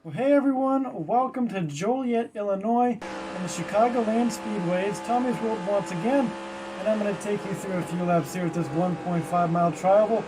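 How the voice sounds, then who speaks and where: A man's voice: high-pitched, normal speed. A man giving guided lap commentary as a broadcast track guide. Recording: clear noise of a vehicle behind.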